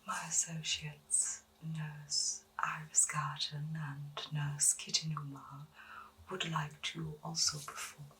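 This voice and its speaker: A woman playing a gentle, eccentric doctor in a whispered ASMR medical roleplay, soothing, measured and formally polite. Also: low-pitched, recorded from a distance, slight background noise, exaggerated voice, low-quality recording. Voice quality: breathy whisper. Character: gentle, eccentric female doctor at strange monster clinic.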